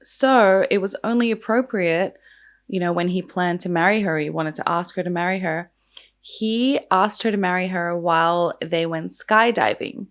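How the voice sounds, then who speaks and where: A young woman hosts a vlog mixing true crime and makeup, speaking casually and chattily with plenty of "like" fillers. Her fairly low voice is croaky from the early morning, and she talks at a normal speed.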